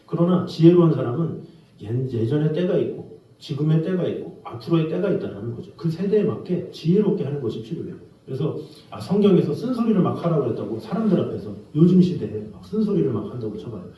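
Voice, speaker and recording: A man's voice: a little high, very animated, fast. A middle-aged man preaching a sermon as pastor in a church sanctuary. He talks in a conversational way, asks rhetorical questions and acts out the people he quotes. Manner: acts out quoted scolding and gentle voices. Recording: roomy, distant, dull church recording.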